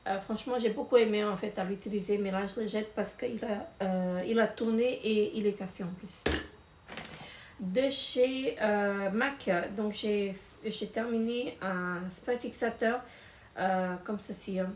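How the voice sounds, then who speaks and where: A woman's voice: mid-range voice, measured pace, darkish tone. Middle-aged woman rambling through a product review, lots of euhs and restarts, roomy echo, faint hiss. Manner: hesitant, many fillers and repeated words. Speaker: beauty vlogger. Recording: echoey room with faint noise.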